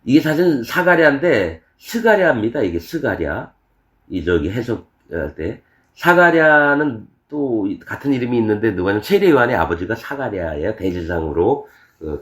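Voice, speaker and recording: Male pastor, animated sermon delivery that acts out the voices, roomy church sound. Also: mid-range voice. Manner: animated, acts out scripture voices with laughs and shouts.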